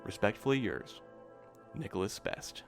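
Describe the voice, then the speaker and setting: A man playing a stiff, officious postmaster reading a formal staff letter in an audio drama, in a measured way. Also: fairly low pitch, expressive, creaky, faint music behind. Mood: formal, concerned.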